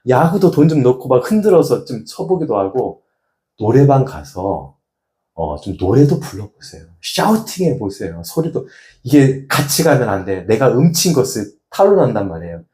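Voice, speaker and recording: A male pastor giving a sermon in a folksy, animated way, breaking into laughs and acting out little examples. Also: medium pitch, normal speed. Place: church hall. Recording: echoey hall.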